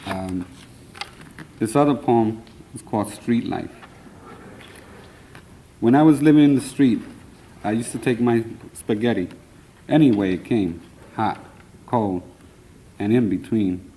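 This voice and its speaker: A man's voice: lowish voice, dark tone, a little hiss or hum, rough recording. Earnest Puerto Rican man reading poetry. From Puerto Rico. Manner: earnest, plain, measured delivery with short line breaks; a little nervous. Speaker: poet reading his work. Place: conference hall.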